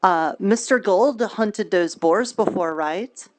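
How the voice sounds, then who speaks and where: A woman roleplaying an earnest, naive, cheerful young preacher, talking in a halting, childlike way with folksy grammar. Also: medium pitch, a little hiss or hum, close to an everyday voice. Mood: helpful, earnest. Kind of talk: improvised virtual reality roleplay.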